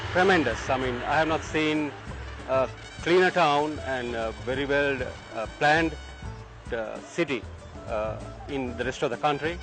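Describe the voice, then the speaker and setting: A man's voice: fairly high pitch, poor audio. A man from Sri Lanka answering interview questions casually, with many hesitant fillers. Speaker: interviewed visitor.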